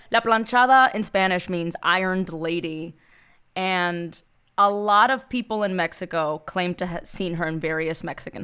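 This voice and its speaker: Smooth, lower-pitched woman podcaster. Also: a bit bright. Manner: bilingual, drops Spanish slang into English; playful, irreverent. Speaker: podcast co-host. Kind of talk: casual comedic storytelling chat.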